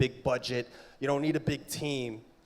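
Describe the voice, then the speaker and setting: Man with an American accent at a fairly quick pace, over noticeable background noise. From United States. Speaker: former pro basketball player and tech entrepreneur. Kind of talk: fireside chat on stage. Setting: conference stage with audience.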